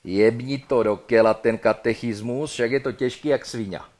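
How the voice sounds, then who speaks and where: A man's voice: medium pitch, lively intonation, lightly acted. A man doing a pushy dead suitor. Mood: crude. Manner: pushy, urgent, loud, in coarse slang. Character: dead male lover urging his bride onward. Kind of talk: comic dramatic reading.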